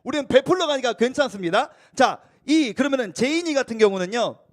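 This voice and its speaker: Playful high-voiced male youth pastor. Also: animated, fast talker. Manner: playful, coaxing, chatty with students. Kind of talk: interactive youth sermon with role-play. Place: church youth service hall.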